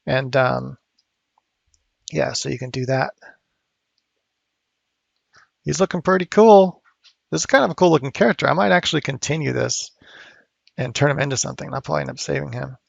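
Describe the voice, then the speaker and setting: Male art instructor, mid pitch, raspy fry, relaxed thinking-aloud delivery. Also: quick pace, no room sound, muffled recording. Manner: rambling, thinking aloud with fillers. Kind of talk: casual sculpting tutorial. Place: home studio.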